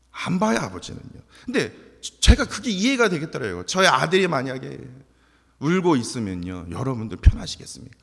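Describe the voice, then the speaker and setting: A man's voice: a little high, a bit bright. A man in his forties preaching a confessional, emotional sermon to his congregation. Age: 40s. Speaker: pastor. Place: church sanctuary. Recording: long hall reverb.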